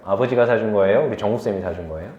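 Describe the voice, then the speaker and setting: A young man preaching a sermon to a youth group, telling stories from his life in a lively way, laughing easily and asking the listeners questions. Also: on the low side, echoey room, highs cut off. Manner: lively storytelling, quick to laugh; asks the listeners questions directly.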